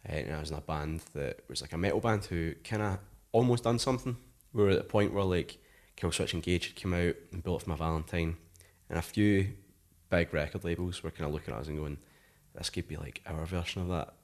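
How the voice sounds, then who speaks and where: A man's voice: low-pitched, a little fast, few pauses. A Scottish man in his thirties, a musician guest talking casually in an interview, rambling with lots of "like" fillers. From Scotland.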